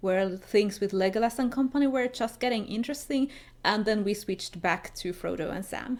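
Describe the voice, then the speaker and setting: A woman with a Finnish accent speaks in a fairly high pitch. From Finland. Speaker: book vlogger. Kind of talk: casual video monologue.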